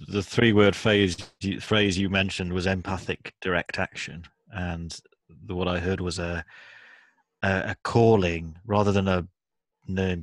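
A very deep-voiced man speaks calmly on a video call, carefully mirroring what he has heard. The sound is dry and close, with no room around it. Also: no room sound. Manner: calm, reflective paraphrasing. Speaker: listener reflecting back in an empathy circle. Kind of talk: casual video call discussion.

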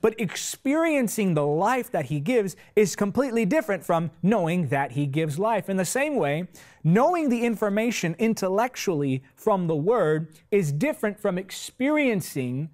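A man's voice: sits high, sing-song, normal speed, darkish tone. A man in his twenties preaching a sermon in a studio, emphatic and passionate, with repetitive phrasing, on a lapel mic. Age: 20s. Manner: impassioned, emphatic, with repetitive phrasing and big hand gestures. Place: TV studio set, indoors.

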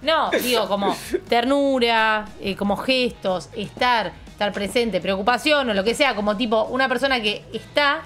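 A woman with a Rioplatense Spanish accent speaking on a talk radio show, her voice sitting a little high. She is agreeable and chimes in constantly with quick affirmations, with music clearly audible underneath. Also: fairly bright tone. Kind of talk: casual radio chat. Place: radio studio.

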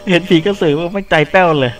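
A man's voice: high voice, normal speed, slight background noise. A man commentating a horror game as he plays, jumpy and swearing when startled. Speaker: gaming YouTuber.

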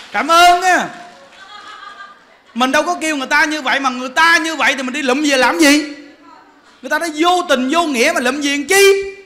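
Brief: forties monk, high bright voice, joking sermon. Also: male voice. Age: 40s. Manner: animated, joking storyteller. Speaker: Buddhist monk teacher.

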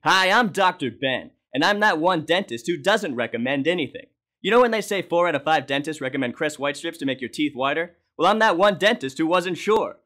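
A man playing an earnest, noncommittal dentist in a parody commercial, with a measured, deadpan presenter delivery. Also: fairly high pitch. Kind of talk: parody ad monologue.

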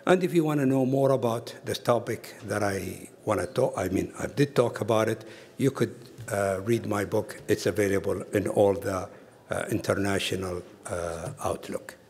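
A man giving a conference presentation at a podium, with hesitant phrasing and frequent pauses. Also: lowish voice, darkish tone, a little hiss or hum. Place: large conference hall. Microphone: podium microphone. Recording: long hall reverb.

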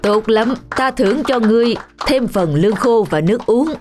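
A woman's voice: a little high, animated, moderate pace, background noise, lightly acted. A woman voicing a stern, commanding tribal king in a cartoon folktale, speaking in an imperious, declamatory way. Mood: authoritative, questioning.

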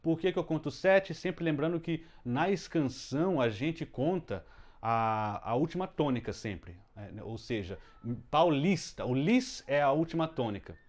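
A man's voice: on the high side, expressive, measured pace. A man explaining song lyrics step by step in a casual video lesson, with many fillers and restarts, recorded in a room at home. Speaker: music teacher. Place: room at home with the window closed. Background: children heard from outside.

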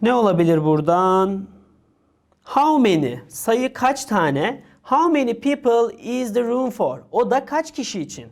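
A woman teaching an English lesson for exam prep, reading each English phrase slowly and then explaining it. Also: fairly high pitch, very animated, darkish tone. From Turkey.

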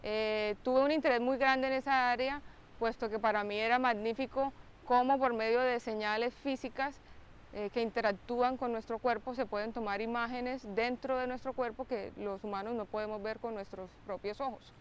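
Woman explaining, slightly high voice. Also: steady tone, normal speed, slight background noise. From Colombia. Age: young adult. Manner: clear, explanatory, fillers "eh". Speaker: biomedical engineer. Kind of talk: to-camera interview. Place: outdoors by a lake with trees. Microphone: close mic, framed head-on.

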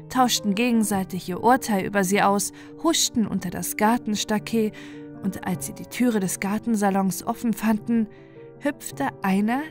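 Woman telling a fairy tale over music. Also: medium pitch. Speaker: storyteller. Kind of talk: scripted fairy-tale narration. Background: background music.

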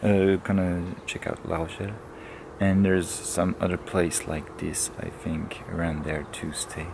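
A man's voice: sits low, little pitch movement, a little slow, creaky. A young man chatting casually as a travel vlogger, thinking aloud and hesitating, recorded outdoors on a camera-mounted mic. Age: young adult. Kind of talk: casual vlog chat. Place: outdoors, by roads and seafront. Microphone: camera-mounted mic at arm's length. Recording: outdoor recording with loud wind and traffic noise.

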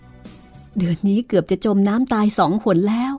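A woman's voice: medium pitch, moderate pace, dark tone, slightly rough, soft background music, close to an everyday voice. A woman voicing a worried, tearful elderly aunt who frets and pleads. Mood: fretful.

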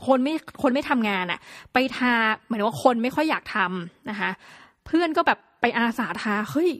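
A woman's voice: a little high, normal speed, dry recording. Chatty woman with a dry close sound. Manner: chatty and playful, with lively exclamations. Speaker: podcast host. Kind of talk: casual solo podcast talk.

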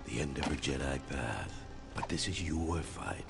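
An actor playing a wise old master's ghost in a game, gravelly, solemn and stern. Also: male voice, extremely low pitch, moderate pace. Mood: solemn counsel. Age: older. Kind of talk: solemn game cutscene acting. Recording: music behind the voice.

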